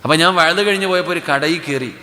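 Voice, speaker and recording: Forceful preacher with a lilt, echoing hall. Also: male voice, fast. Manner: drills the crowd with repeated questions and calls for responses; swings between loud exclamations and low, quiet asides. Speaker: Islamic preacher. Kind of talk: sermon. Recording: reverberant public hall.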